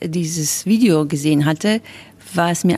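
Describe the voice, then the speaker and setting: With a Turkish accent, a woman speaks at a moderate pace in a fairly low pitch. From Turkey (Ankara). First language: Turkish (speaking German). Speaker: dance curator and choreographer. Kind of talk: interview.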